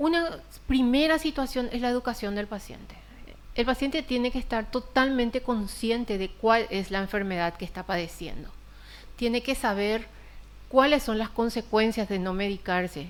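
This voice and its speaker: Pitched fairly high, a woman's voice shows a normal amount of rise and fall. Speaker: physician lecturer. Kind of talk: lecture. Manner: fast.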